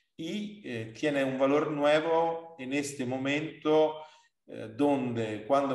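Someone speaks at a very slow pace. The background is quiet, and the room echo is audible. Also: man. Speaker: interviewee. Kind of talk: interview answer. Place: office. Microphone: video call.

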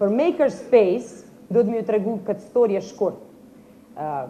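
Someone with a Kosovo Albanian accent speaks at a moderate pace with lively intonation over light background noise. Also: woman. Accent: Kosovo Albanian (Gheg). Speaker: municipal leader and speaker; speaker. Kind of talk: speech at public event. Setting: stage with audience. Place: hall. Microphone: handheld.

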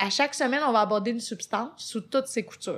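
The speaker is a woman with a Beauce accent. Her pitch varies in an ordinary way. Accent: Quebec French, Beauce. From Beauce, Quebec; Quebec. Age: 40s. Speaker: family doctor and DJ; DJ. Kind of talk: casual podcast interview. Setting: studio. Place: studio.

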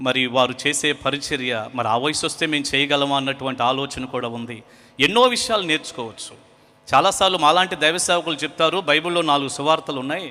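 A man's bright, sharp voice, fairly high in pitch, with ordinary pitch variation. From Andhra Pradesh, Guntur district. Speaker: pastor. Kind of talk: sermon-style greeting at a church convention. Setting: stage with audience. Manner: animated.

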